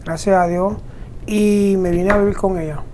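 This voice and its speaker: A man's voice: sits high, steady tone, normal speed, noisy background. Puerto Rican man, rambling artisan guest. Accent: Puerto Rican Spanish. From Ponce, Puerto Rico. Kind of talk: interview answers.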